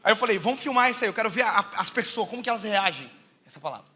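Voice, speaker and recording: A man from Brazil preaching a sermon told as a funny personal story, animated and laughing often, swinging between loud shouts and hushed asides. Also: high-pitched, racing, slightly rough.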